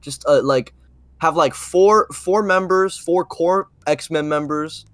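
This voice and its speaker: Higher-voiced man, halting casual chat. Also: a bit bright, dry recording. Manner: halting, informal, heavy use of "like". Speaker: podcast co-host.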